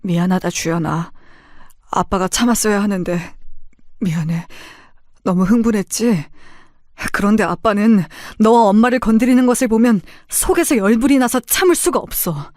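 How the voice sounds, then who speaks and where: A woman voicing a protective middle-aged father, a former gangster, speaking low and curt. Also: moderate pace, dry recording, clean studio sound, close to an everyday voice. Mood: apologetic. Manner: low, curt and threatening, then gentle.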